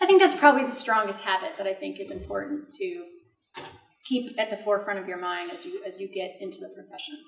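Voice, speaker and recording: Through audible room echo, a woman talks at a very fast pace at a fairly high pitch, with very wide pitch swings and big swings in loudness. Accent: American. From US Midwest. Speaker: architect. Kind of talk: Q&A after lecture.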